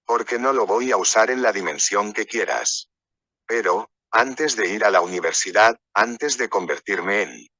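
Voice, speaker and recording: A man's voice: on the low side, pushed and bright, dry recording. A man leading a workshop, telling personal stories in a rambling, conversational way. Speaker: workshop speaker. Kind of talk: storytelling lecture.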